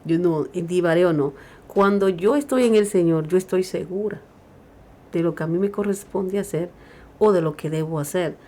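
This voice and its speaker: A woman's voice: lowish voice, normal speed, warm tone. A woman co-hosting a Christian radio talk show, preaching emphatically and raising her voice when she quotes scripture.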